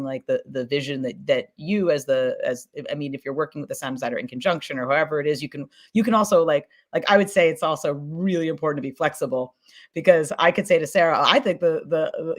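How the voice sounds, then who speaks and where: With a deep voice, a woman speaks informally and emphatically in a casual panel discussion. She's a fiction podcast creator with an enthusiastic manner.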